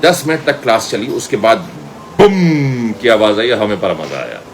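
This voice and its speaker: A middle-aged man with an Indian accent gives an informal lecture, telling personal anecdotes in an animated way and mixing in English phrases. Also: fairly low pitch, normal speed, faint music behind. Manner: animated storyteller, acts out dialogue, mixes in English phrases. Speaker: media school director and voice trainer.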